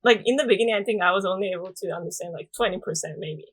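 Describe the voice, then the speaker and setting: A woman's voice: lowish voice, very fast, slightly rough. Japanese-accented young woman, chatty. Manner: chatty, frequent "like" fillers, soft laughs. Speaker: guest. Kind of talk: casual podcast interview.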